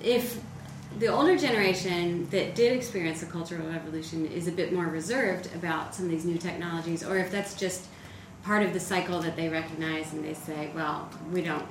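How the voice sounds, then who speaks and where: A woman in a seminar audience asking a thoughtful, measured question. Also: lowish voice, far from the mic. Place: seminar room. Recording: echoey room, off-mic, noticeable background noise.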